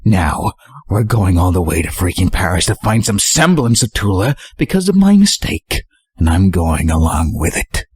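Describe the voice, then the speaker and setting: A man's voice: deep voice, very animated, normal speed, a little mellow, husky, no echo, clean studio sound, full character voice. A man playing a hot-tempered, guilt-ridden young team leader, sarcastic and confrontational, in an amateur audio drama. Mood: bitter, guilty.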